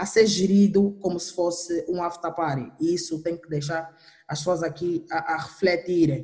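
A man at a fairly slow pace. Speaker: podcast host. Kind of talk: moderated panel discussion.

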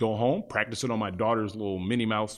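With an American accent, a man speaks in an energetic tone at a very fast pace. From Chicago area, then Tennessee from age 14. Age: 30s. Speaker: high school engineering teacher. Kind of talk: interview.

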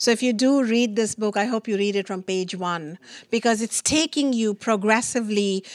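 A woman with an Indian accent, fairly high-pitched, with ordinary pitch variation, in a very clean recording against a silent background. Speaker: Ayurveda teacher and author. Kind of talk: lecture. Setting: stage with audience.

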